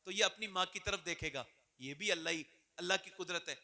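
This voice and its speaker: Male preacher, high bright voice, dramatic storytelling sermon, long reverb. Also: brisk. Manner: dramatic storytelling, swings between loud exclamations and hushed passages. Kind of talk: emotional religious sermon.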